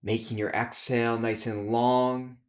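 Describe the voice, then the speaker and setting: A man leading a guided meditation in a soothing, measured way, giving gentle instructions with long pauses. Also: mid-range voice, level tone. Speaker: guided meditation leader, therapist.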